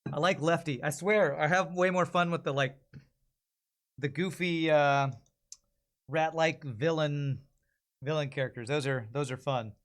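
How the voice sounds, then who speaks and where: A man's voice: on the high side, steady tone, a little slow, pauses often, fairly bright tone. A man in casual livestream chat, thinking aloud and critiquing his own work as an amateur voice actor.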